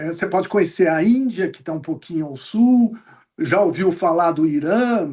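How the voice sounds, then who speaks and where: At a moderate pace, a man with a high voice uses lively intonation and big swings in loudness. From Rio de Janeiro, Brazil. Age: 70s. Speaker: photographer and travel guide. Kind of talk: lecture. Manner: halting.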